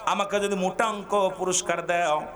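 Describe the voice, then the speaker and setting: A man's voice: fairly even intonation, normal speed. A man with a Bangladeshi Bengali accent preaching an Islamic sermon, telling religious stories in an emotional, declamatory, partly chanted delivery. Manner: emotional, declamatory, swinging between plain telling and loud high cries; calls on listeners to respond. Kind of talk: impassioned waz sermon storytelling, half-chanted in places.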